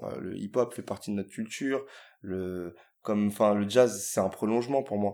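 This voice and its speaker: In a very clean recording with a silent background, a man speaks at a moderate pace. His tone is dark and mellow, and his pitch is fairly low. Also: ordinary pitch variation. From Seine-Saint-Denis, France. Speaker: rapper. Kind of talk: casual interview.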